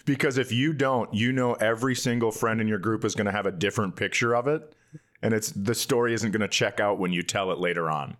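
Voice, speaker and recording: A man in his forties with a slightly low voice chats as co-host of a comedy podcast. His talk is casual, conversational comic banter. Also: brisk, a bit bright.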